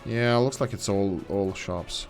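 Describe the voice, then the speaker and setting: A bit slow and lowish, this man's voice sits over faint background music. He's hosting a gaming video in his non-native English, musing casually as he builds in let's-play fashion, with digressions and corrections.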